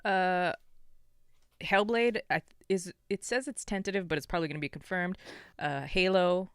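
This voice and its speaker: Clear, low-voiced woman chatting about games. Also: moderate pace, no echo, clean studio sound. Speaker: co-host of a gaming live stream. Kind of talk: casual opinionated panel chat.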